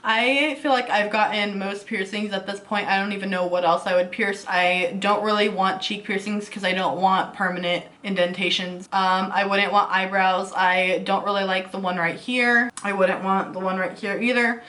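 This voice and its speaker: A woman's voice: medium pitch, fairly even intonation, moderate pace, few pauses, pushed and bright. A young woman in her twenties from the United States with a slight lisp, chatting casually to camera as a vlogger and answering viewer questions. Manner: chatty and easygoing, many fillers like "like" and "you know". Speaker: beauty and lifestyle vlogger.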